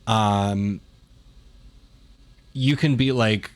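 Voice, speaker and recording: A man acting as game master, improvising and chatting casually in a halting, conversational way. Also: on the low side, no echo.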